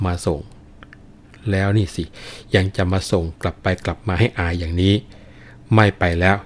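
A man's voice: deep voice, steady tone, normal speed, breathy edge. A man voicing Wanthong, a grieving wife. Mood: scolding. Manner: lamenting, pleading speech.

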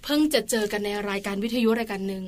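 A woman's voice: medium pitch, steady tone, rapid-fire. A middle-aged woman co-hosting a radio show, chatty and teasing, laughing often. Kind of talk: casual chat.

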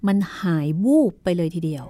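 A woman narrating a story in a slow, measured storytelling manner. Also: dark tone.

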